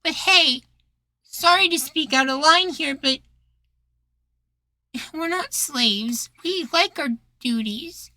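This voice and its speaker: A high, softly pleading young boywife, acted by a man in an intimate roleplay. He is anxious, submissive and defensive of his life, speaking hesitantly. The sound is bright and very dry. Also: slow, long pauses, dry recording, heavily acted, low-quality recording. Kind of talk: roleplay ASMR acting.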